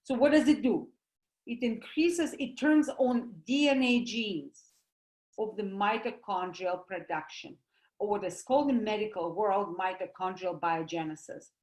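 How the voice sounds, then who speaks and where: A woman with a Russian accent giving an animated, emphatic health talk, explaining things through everyday comparisons. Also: mid-range voice, measured pace, roomy sound, rough recording. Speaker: doctor giving a presentation.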